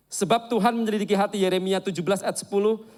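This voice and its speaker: A man preaching a sermon and telling a candid personal story in an animated, confessional way. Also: high voice, quick pace.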